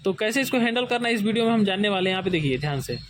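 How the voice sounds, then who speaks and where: High-voiced Indian man teaching phone repair. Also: animated, rapid-fire, a bit bright, a little hiss or hum. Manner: explains step by step, often says "look here carefully". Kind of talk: hands-on repair tutorial. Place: repair workbench with a microscope.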